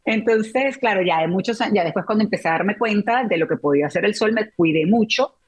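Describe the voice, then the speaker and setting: A middle-aged woman, a journalist and author appearing as an interview guest, tells a personal story in a candid, reflective, emotional way, restarting often. Her voice is medium-pitched, expressive, husky and a little fast.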